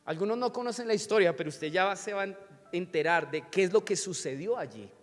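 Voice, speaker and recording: A man's voice: high voice, lively intonation, fairly quick. A man, preaching a sermon in church and often asking the congregation questions. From Colombia. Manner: teaching with frequent questions to the congregation. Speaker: pastor. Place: church sanctuary. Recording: church hall reverb with faint music.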